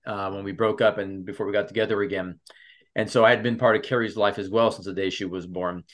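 A man's voice: lowish voice, steady tone, fast, fairly bright tone. A man who is a pastor and marriage coach, telling his personal story in an earnest interview with frequent restarts. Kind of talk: casual interview.

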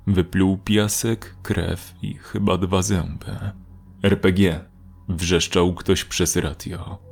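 A man narrating a war story as an audiobook in a steady, measured way. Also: low-pitched, gravelly, a little hiss or hum. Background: faint music.

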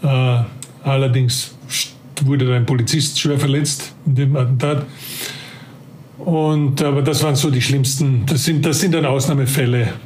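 He's a former police officer in his fifties, a guest in a casual interview, with a Carinthian Austrian German accent. His mid-range voice is steady, a little mellow and at a moderate pace, and he reflects aloud, repeating words while searching for them. There's a little hiss or hum.

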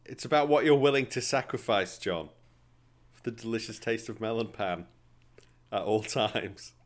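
A man's voice: lowish voice, normal speed. A man co-hosting a casual news chat, full of playful, sarcastic banter. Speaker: podcast co-host.

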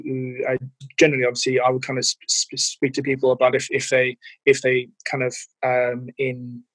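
A man in his forties with a mild, anglicized South African accent answers interview questions as a fitness and mental health coach, hesitating with many ums and restarts. His voice is mid-range, and the recording is low quality with no room sound.

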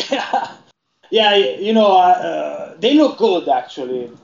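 A man's voice: high voice, very animated, slow, gravelly. A man co-hosting a casual gaming chat, talking in long rambling stretches with frequent restarts. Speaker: podcast co-host. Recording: echoey room, dull lo-fi sound.

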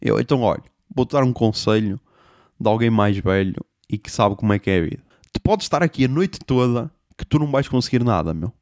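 A young man telling a comic story, animated, swearing and making sound effects. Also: mid-range voice, fairly quick, no echo, clean studio sound. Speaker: podcast host.

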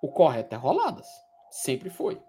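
A man's voice: on the high side, wildly swooping pitch, normal speed, mellow, slight background noise. A man co-hosting a casual chat, tired and joking in teasing banter. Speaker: podcast co-host.

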